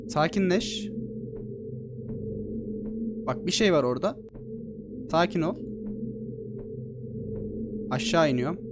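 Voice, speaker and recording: Brief: slightly high-voiced male streamer, jumpy and profane horror-game commentary. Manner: excitable, swears a lot, jokey. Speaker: gaming streamer. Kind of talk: let's play commentary.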